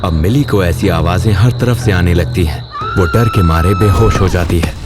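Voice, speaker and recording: A man's voice: low voice, wildly swooping pitch, normal speed, loud music behind the voice. A man reading a scripted spooky bedtime story as its narrator.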